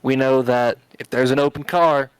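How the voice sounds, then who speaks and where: A man hosting a casual podcast, thinking out loud with plenty of fillers and restarts. His voice sits at an ordinary middle pitch and is recorded close and dry, with no room sound behind it. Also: steady tone, moderate pace, clean tone, no room sound, rough recording. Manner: rambling, filler-heavy explaining. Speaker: podcast host. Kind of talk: casual chat.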